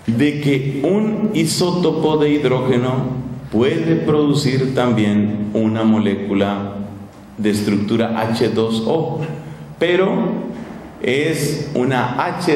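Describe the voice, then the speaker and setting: A man preaching a sermon to nuns as a friar, animated and conversational, asking his listeners questions and acting out little scenes. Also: mid-range voice, slight background noise. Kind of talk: radio sermon. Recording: echoey hall, long reverb, faint ambience.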